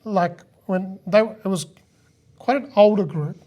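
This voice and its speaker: High-voiced man hosting a podcast. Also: a little slow, dull audio. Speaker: podcast host. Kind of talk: casual interview chat.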